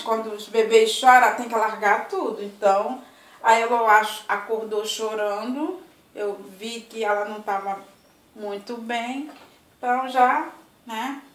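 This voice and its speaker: A woman's voice: a little high, recorded from a distance. Chatty older Brazilian woman. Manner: chatty, tender, full of diminutives. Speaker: vlog host. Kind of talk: casual vlog chat. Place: home, indoors. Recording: roomy echo.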